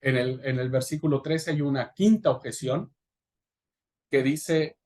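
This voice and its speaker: A man with a Rioplatense Spanish accent, a pastor teaching a Bible class in a lively way, often asking "right?" and acting out the voices he quotes. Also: mid-range voice, a little slow.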